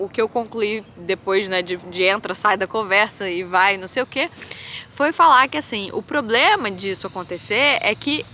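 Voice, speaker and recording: Woman, 30s, candid vlog rant, bright tone, filler-heavy speech. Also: fairly high pitch, slight background noise. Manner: animated venting, frequent fillers like "assim" and "né". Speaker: vlogger and hospital doctor.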